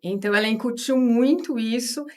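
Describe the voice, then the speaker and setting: A woman in her fifties from São Paulo with a São Paulo accent, a guest talking through her career in a relaxed interview, with frequent tag questions and restarts. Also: a little high, normal speed. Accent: São Paulo Portuguese. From São Paulo, Brazil. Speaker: guest, board advisor. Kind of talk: conversational interview storytelling.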